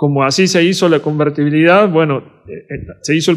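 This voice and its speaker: Against a quiet background, a man talks at a fairly quick pace in a fairly high voice with ordinary pitch variation. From Argentina. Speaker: accountant, economics commentator; economics commentator. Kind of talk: radio interview. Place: studio. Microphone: studio mic.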